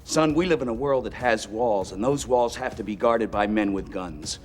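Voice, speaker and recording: An actor playing a commanding, scornful Marine colonel on the stand in a film courtroom drama, with a forceful, hammering delivery. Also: male voice, fairly low pitch, normal speed, soft background music, lightly acted. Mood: defiant.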